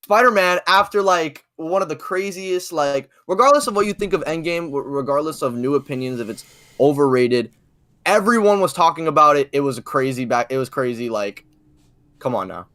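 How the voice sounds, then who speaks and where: A man's voice: fairly high pitch, lively intonation, brisk, bright, forceful tone, dry recording. A man co-hosting a casual fan podcast, slangy and emphatic, repeating words for stress. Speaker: podcast co-host.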